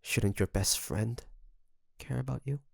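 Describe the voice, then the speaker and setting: A man playing an obsessive, doting kidnapper best friend in an intimate audio roleplay, creaky, coaxing and teasing with soft menace. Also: medium pitch, no room sound, clean studio sound. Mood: doting, controlling. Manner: softly menacing, coaxing, teasing, with drawn-out phrases.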